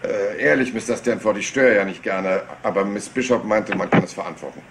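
An actor playing a rumpled, seemingly scatterbrained police inspector in a German crime radio play, rambling and deceptively polite. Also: male voice, on the low side, fairly quick, gravelly, fairly bright tone. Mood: politely rambling. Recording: noisy retro radio play.

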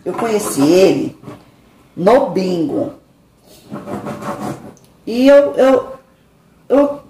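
A middle-aged woman, chatting casually and confidingly to her viewers from her home kitchen, with dramatic sighs. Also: medium pitch. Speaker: vlogger. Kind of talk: casual chat. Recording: echoey kitchen with noise.

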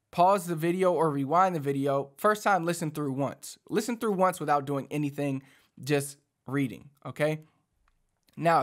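Here a man in his thirties who teaches Spanish walks through a lesson on camera, his voice on the high side. Lively and gesturing with his hands, he keeps things conversational and encouraging. A boom-arm studio mic sits in front of him in his small, dim home studio.

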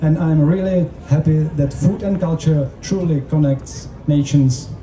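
A man with a Czech accent interpreting formally and in measured phrases as a host on an open-air festival stage. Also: a little high, steady tone, mellow. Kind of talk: live consecutive interpreting at a public event. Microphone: handheld mic through PA, recorded from audience. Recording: roomy, distant stage PA sound with noise.

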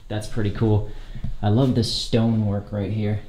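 A young man vlogging casually as he explores an abandoned house, talking excitedly to viewers in slangy speech on a handheld camera. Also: lowish voice, moderate pace, slight background noise. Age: young adult. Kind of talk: casual walkthrough narration. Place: empty abandoned house, large indoor rooms. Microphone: handheld action camera. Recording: echoey empty rooms.

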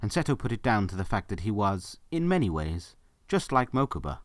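A man's voice: on the low side, big pitch swings, fairly quick, no echo, clean studio sound. A man giving scripted narration for a story, as the narrator of an audio drama.

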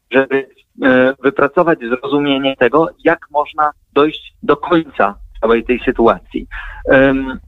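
A man's voice: medium pitch, no room sound. A man being interviewed as a guest analyst, explaining his views hesitantly with many fillers and restarts. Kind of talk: radio interview over the phone. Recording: dry tinny phone line.

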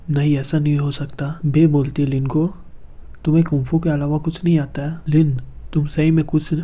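A man narrates a manga comic as a story, reading every character's lines in his own steady narrating voice. His tone is very dark and his pitch barely moves, and the recording sounds dull and lo-fi. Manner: reads every role in one steady narrating voice. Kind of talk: scripted narration.

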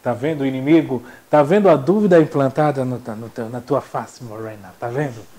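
A man's voice: medium pitch, a little fast. A young man teaching a classroom lecture, joking and acting out little voices. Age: young adult. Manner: jokey and animated, acts out voices.

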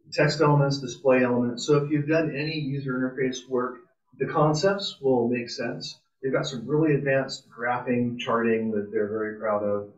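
Distant, echoey man teaching coding informally. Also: medium pitch. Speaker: presenter at a robotics club meetup. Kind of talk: informal live coding tutorial. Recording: distant, roomy, muffled meeting-room sound.

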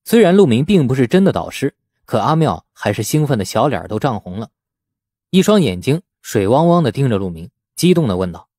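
A man reading a novel aloud as scripted, expressive storytelling narration. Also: mid-range voice, a little fast, dry recording, studio quality. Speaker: audiobook narrator.

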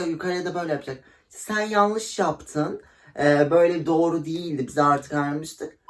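A young woman telling a story in a casual vlog, gossipy and dramatic, acting out quotes with laughter. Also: fairly low pitch. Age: young adult. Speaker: vlogger.

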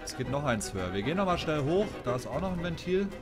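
A man's voice: on the high side, sing-song, fast talker. A man, casually commenting as he plays a video game, chatty and self-mocking as he thinks aloud. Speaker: let's play commentator. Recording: game music loud behind. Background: game music and sounds.

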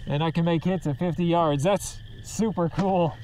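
A man's voice: on the high side, fairly even intonation, normal speed, dark tone, slight background noise, rough recording. A man talking through a gas mask while shooting outdoors, joking and laughing at himself in casual chat. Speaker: host shooting at a range.

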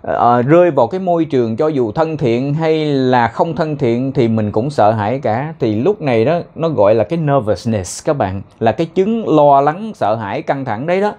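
A young man teaching spoken English in a casual way, explaining phrases and repeating words slowly so learners can copy them. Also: mid-range voice, expressive, a little mellow.

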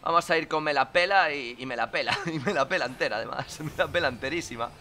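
A young man calls his online match in a high, very bright and sharp voice. He swears freely and breaks into exasperated shouts. Faint game music runs underneath. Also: fast talker. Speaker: gaming commentator. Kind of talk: live gameplay commentary.

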